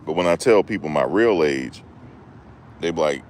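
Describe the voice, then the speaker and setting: Very deep-voiced man chatting casually. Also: animated, normal speed, a little mellow, slight background noise. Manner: joking, rambling, talks back to chat. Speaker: livestream host. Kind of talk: casual chat with live viewers.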